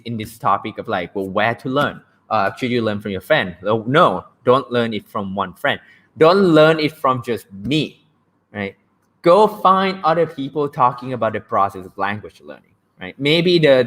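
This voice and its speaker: Blunt and joking, a young Thai man hosts a casual livestream about learning languages, often asking "right?" in his Thai accent. He speaks at a moderate pace in an animated, mid-range voice with a fairly bright tone.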